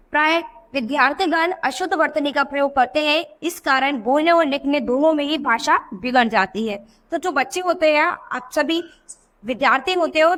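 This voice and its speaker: A woman's voice: high-pitched, a bit bright. A woman teacher giving a grammar lesson to young schoolchildren, explaining patiently, repeating each word and asking the class questions.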